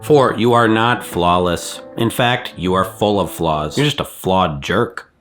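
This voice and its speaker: A man's voice: low-pitched, unhurried, fairly bright tone, soft background music. Man getting over a cold, frank vlog. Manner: self-deprecating, frank, joking asides. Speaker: YouTuber. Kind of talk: casual motivational vlog.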